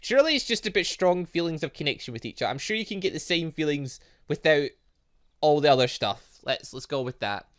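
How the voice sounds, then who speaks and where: Male gamer, higher-pitched, lively intonation, rambling, exclamatory playthrough commentary. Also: fairly quick. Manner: rambling, exclamatory, thinking aloud. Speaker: gaming channel host. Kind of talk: excitable game playthrough commentary.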